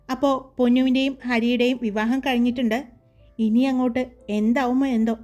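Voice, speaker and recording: A woman narrating a romantic story in a slow, measured storytelling voice. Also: fairly high pitch, a little mellow.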